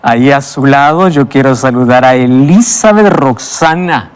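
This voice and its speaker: A man hosting a Bible study show in a studio, presenting with emphatic pauses and interviewing guests. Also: medium pitch, smooth, long reverb tail. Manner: emphatic, with dramatic pauses and enthusiastic wows.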